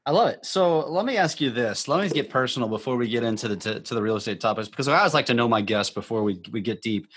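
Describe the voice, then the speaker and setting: A man hosting a podcast, introducing his guest in an energetic, hype style. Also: mid-range voice, fast, few pauses, slightly rough. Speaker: podcast host. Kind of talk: podcast interview.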